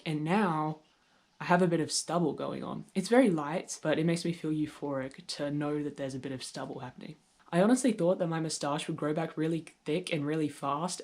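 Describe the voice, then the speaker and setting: Candid young trans man vlogging. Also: fairly high pitch. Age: young adult. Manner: candid, reflective, gently humorous. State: voice deepening on testosterone. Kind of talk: personal video diary.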